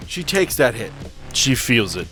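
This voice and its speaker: A man's voice: mid-range voice, very animated, measured pace, pushed and bright. A man acting as game master, casually improvising narration and rulings for a tabletop role-playing game. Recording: music playing behind the voice.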